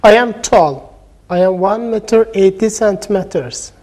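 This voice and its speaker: Mellow-voiced male class assistant. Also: sits high, unhurried. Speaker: class assistant answering questions. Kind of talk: short scripted classroom answers.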